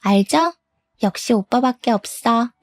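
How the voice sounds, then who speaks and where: A woman's voice: a little high, animated, measured pace, no room sound. Woman doing a coy young mistress. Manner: coy, wheedling.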